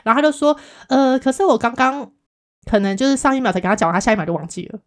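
Quick-talking woman telling a story. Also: a little high. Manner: lively storyteller, acts out the other people's replies. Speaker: podcast co-host. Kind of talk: casual chat, telling a work story.

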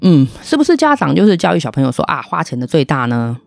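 A woman's voice: deep voice, very animated, quick pace, vocal fry, no echo, clean studio sound. A woman, a podcast host telling a story in a blunt, indignant, ranting way. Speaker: podcast host, restaurant owner. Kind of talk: casual storytelling monologue.

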